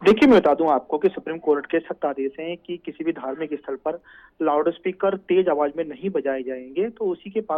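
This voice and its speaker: A man reporting live from the field as a news correspondent, unscripted and repetitive. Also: on the high side. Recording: tinny narrow phone-like link.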